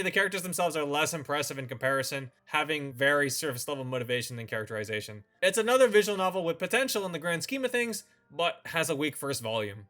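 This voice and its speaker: A man presents a review in a forceful, bright voice that sits a little high. His delivery is semi-scripted, with opinionated informal asides. Faint music plays behind him. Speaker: host of a visual novel review channel.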